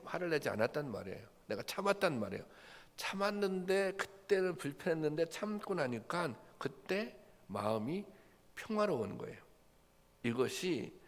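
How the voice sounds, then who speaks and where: A man preaching a sermon at a dawn prayer service, earnest and repetitive, building to emphatic peaks. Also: medium pitch. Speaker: pastor. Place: church sanctuary. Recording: long hall reverb.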